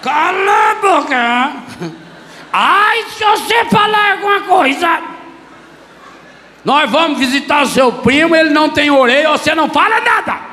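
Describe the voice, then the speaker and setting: A male priest voicing a stern mother who shouts threats at her child, in a reverberant hall. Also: high-pitched, lively intonation, a little slow, a little hiss or hum, pitched above the performer's own voice, full character voice. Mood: scolding.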